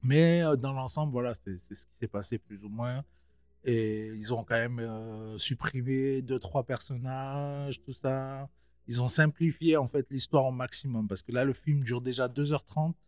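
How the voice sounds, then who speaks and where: A man's voice: mid-range voice, fairly even intonation, unhurried, darkish tone, dry recording. A young man giving a casual film review, slangy and chatty, talking straight to his viewers.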